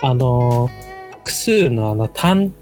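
Very low-voiced woman guest. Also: lively intonation, slow, dark tone, faint music behind. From South Korea. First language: Korean. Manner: hesitant, many fillers while searching for words. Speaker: podcast guest. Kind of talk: casual chat.

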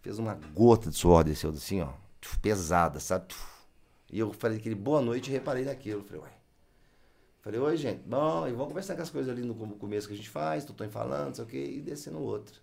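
A man's voice: lowish voice, quick pace, gravelly, a little mellow. A Brazilian man, telling a story in casual chat and acting out the lines he quotes.

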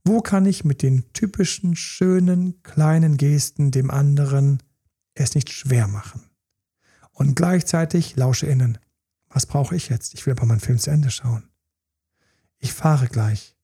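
A man's voice: on the high side, measured pace, dark tone, slightly rough. A man talking casually about relationships as a coach, who acts out partners' pleas in character and sometimes drops to a whisper. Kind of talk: casual podcast talk.

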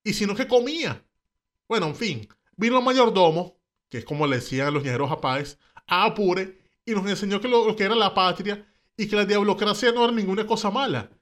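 A man with a Venezuelan accent, co-hosting a podcast, retelling history in slangy, animated chat. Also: high voice, brisk. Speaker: podcast co-host. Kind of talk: casual storytelling chat.

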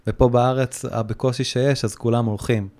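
A man in his thirties or forties, a podcast guest, talking casually and haltingly with many restarts. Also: mid-range voice, level tone, darkish tone. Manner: hesitant, many restarts and fillers. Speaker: guest, surfboard repairer.

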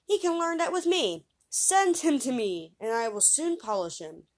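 A woman's voice: sits high, big pitch swings, moderate pace. A woman playing a sly scheming sexton. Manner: self-assured, scheming.

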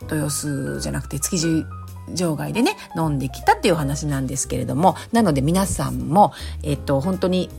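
Female solo host, hoarse and raspy, on the low side, polite chatty monologue, faint music behind. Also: lively intonation, brisk. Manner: polite, chatty, frequent softening particles. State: hoarse, raspy voice from drinking the night before. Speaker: host of a snack-bar themed talk show. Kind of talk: casual solo chat monologue.

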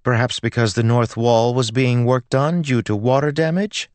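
A man voicing a stubborn, outspoken teenage girl in an audiobook, with a loud, dramatic, insistent manner. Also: medium pitch, lively intonation, moderate pace, no room sound, voice pushed up, close to an everyday voice. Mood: indignant, loud.

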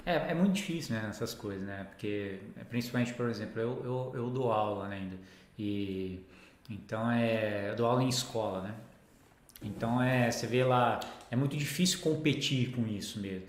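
A man's voice: fairly low pitch, normal speed, reverberant. A Brazilian man who teaches school, chatting casually and acting out the voices of people he quotes. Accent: Brazilian Portuguese. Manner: animated, acts out quoted voices. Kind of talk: casual conversation.

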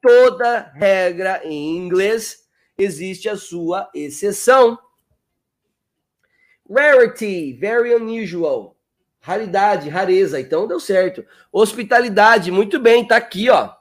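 A man teaching English on a live stream, chatty and coaxing, repeating words slowly to model pronunciation and calling out viewers' names. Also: sits high, animated.

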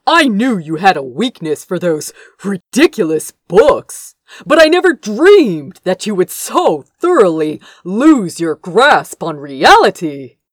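A woman's voice: medium pitch, big pitch swings, takes it slowly, hardly any pauses, dry recording, studio quality. A woman voicing a smug, impatient royal brother in an audiobook, curt, scoffing and patronizing. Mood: amused, pitying. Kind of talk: dramatic audiobook character dialogue.

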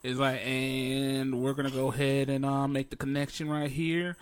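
A man's voice: level tone, normal speed, clear, resonant tone, dry recording. Joking, chatty man hosting a podcast. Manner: joking, playful, sings snatches in falsetto. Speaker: podcast host. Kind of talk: casual chat.

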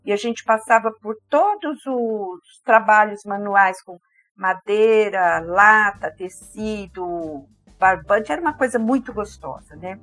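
An older woman with a caipira accent from interior São Paulo speaks reflectively about herself in conversation, pausing thoughtfully to search for her words. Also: mid-range voice, fairly bright tone, no echo, soft background music. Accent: caipira accent of interior São Paulo, with a strong R. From interior of São Paulo state, Brazil. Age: 50s or older. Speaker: interview guest.

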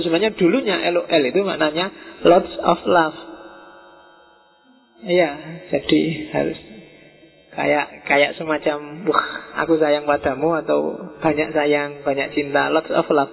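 A man's voice: fairly high pitch, fairly even intonation, creaky, husky. Man lecturing philosophy in a reverberant hall. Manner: unhurried, conversational, slips into Javanese words. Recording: tinny phone-like audio in a reverberant hall.

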